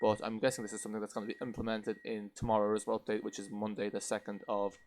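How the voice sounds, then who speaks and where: A man reviewing a game in unscripted commentary over gameplay, explaining in a measured, hesitant way. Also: lowish voice, completely flat delivery, a little mellow.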